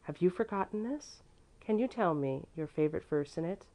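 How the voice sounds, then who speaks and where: A kind, wise motherly lady from an old storybook, voiced by a woman reader, gentle yet firm. She speaks calmly and reassuringly, in a slightly low voice. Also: moderate pace. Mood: tender. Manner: tender, calm, reassuring.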